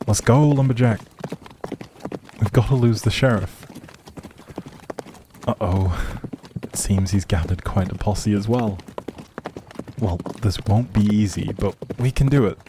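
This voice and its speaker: A man playing an outlawed prince, a gentle, protective leader, in earnest dramatic roleplay audio with old-fashioned, measured phrasing and a husky, breathy voice. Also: on the low side, background noise, lightly acted. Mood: urgent.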